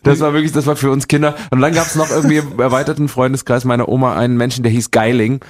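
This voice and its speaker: A young man from Germany talking quickly as an interview guest, rambling with many restarts. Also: mid-range voice, fairly even intonation, background noise. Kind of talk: casual interview chat.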